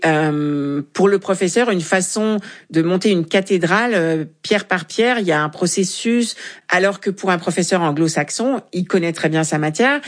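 A Franco-Canadian woman, an intercultural consultant, explaining ideas emphatically in a radio interview. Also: lowish voice. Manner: articulate, emphatic, lists examples.

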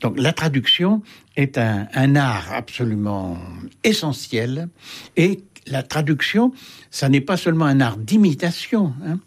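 Older man, husky and animated. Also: medium pitch, a little slow. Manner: thoughtful, hesitant, with many fillers and restarts. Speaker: writer and guest. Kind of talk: reflective interview answers.

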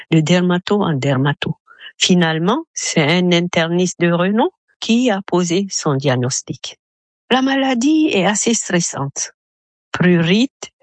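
A woman's voice: lowish voice, dry recording. Woman in her 70s, voice changer disguise. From Gabon. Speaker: caller. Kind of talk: recorded listener testimony.

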